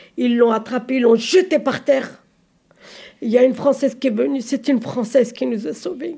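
Her voice is high in pitch with a dark, mellow tone. This woman speaks at a moderate pace with ordinary pitch variation. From Algeria, grew up in Nanterre. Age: 70s. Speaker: interviewee. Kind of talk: testimony. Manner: emotional.

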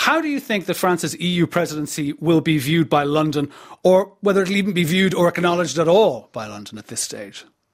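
At a very fast pace, a high-pitched man speaks with lively intonation and big swings in loudness on a very clean recording with a silent background. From non-French. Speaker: radio host. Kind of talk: interview. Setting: studio.

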